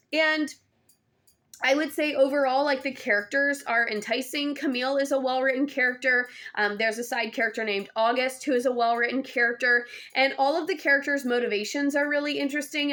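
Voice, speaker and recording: A woman's voice: high-pitched, fairly quick, pushed and bright. A young adult woman giving a casual book review vlog, chatty, with many ums and restarts.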